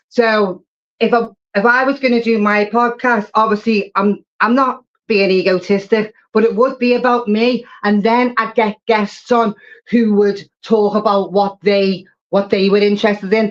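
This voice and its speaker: A woman's fairly high voice in a Liverpool accent, fairly slow, monotone and flat, with very even loudness. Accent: Liverpool (Scouse). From Liverpool, England. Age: 40s. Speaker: aspiring podcaster. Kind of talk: casual chat. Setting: live stream.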